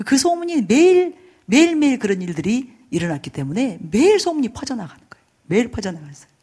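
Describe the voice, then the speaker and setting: Animated husky-voiced woman pastor. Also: fairly low pitch. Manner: animated storytelling, laughing as she goes; acts out quoted voices. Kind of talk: sermon.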